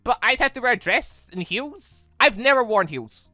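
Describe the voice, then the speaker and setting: A man's voice: very high-pitched, big pitch swings, normal speed, pushed and bright, no room sound, soft background music, pitched above the performer's own voice, exaggerated voice. A man voicing a nervous, clumsy, self-doubting teenage girl from a visual novel, hesitant and fretful. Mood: anxious. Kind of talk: visual novel character reading.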